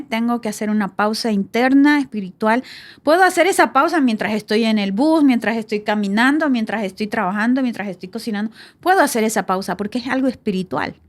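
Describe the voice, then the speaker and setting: A woman co-hosting a Christian podcast, speaking earnestly and reflectively. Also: fairly high pitch. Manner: earnest, reflective, often quoting God in voiced lines. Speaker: podcast co-host.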